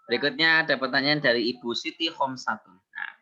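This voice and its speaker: A man's voice: medium pitch, fairly quick, bright, forceful tone, dull audio. A man moderating an online Q&A, politely reading audience questions aloud.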